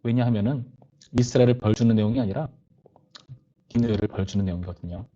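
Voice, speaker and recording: A man's voice: fairly low pitch, fast, mellow, muffled recording. A young man, a youth pastor, giving a conversational sermon to teenagers and voicing their complaints and questions. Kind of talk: sermon to teenagers over video call.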